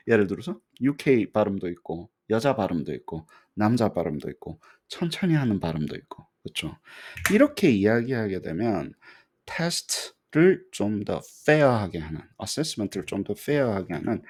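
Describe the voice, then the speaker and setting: A man lecturing in a casual, chatty way, often pausing to ask his listeners if they agree. His pitch moves a lot as he talks. His voice has a slightly husky grain. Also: darkish tone. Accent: Korean. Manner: conversational, asks the audience for agreement often; mixes English terms into his speech. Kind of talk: recorded lecture.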